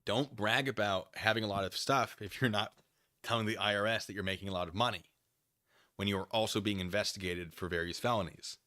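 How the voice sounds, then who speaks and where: A man's voice: lowish voice, fairly even intonation, fairly quick, pushed and bright, dry recording, studio quality. A man hosting a livestream in casual chat, rambling wryly as he reads and answers viewers and acts out imagined exchanges.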